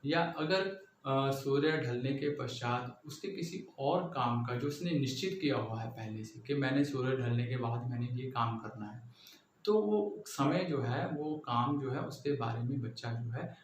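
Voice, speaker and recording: A man's voice: medium pitch, a little slow. A man from Punjab with a Punjabi accent gives a patient classroom lecture, explaining step by step and often checking that his listeners follow. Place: classroom with a board. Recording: echoey room, faint background noise.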